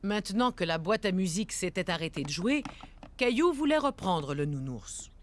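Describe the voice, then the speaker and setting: A woman playing the gentle narrator of a French children's cartoon, telling the story in scripted storybook style. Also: on the low side, lively intonation, moderate pace, slight background noise, natural voice. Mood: gentle storytelling. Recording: music behind the voice.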